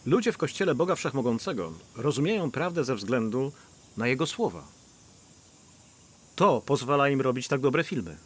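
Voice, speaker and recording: A man's voice: mid-range voice, big pitch swings, normal speed, breathy edge. A middle-aged man dubbing the role of an anxious pastor in a film. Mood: troubled. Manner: anxious, troubled.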